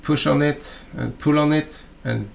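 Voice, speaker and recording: A man from Norway with a Norwegian accent, narrating a fly-tying tutorial in a halting, chatty way full of fillers and asides. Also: fairly high pitch, steady tone, vocal fry, slight background noise.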